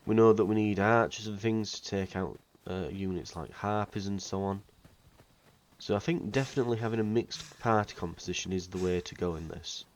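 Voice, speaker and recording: A man's voice: on the low side, a little fast. A man with a slightly nasal voice from a cold, giving casual, rambling commentary while playing a video game. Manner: chatty, rambling, with fillers. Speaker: let's play host.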